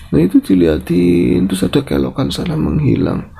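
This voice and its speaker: Gravelly man telling a horror story. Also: normal speed. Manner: animated, mixes in Javanese, acts out quotes with sharp pitch jumps. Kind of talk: casual storytelling retelling a guest's experience.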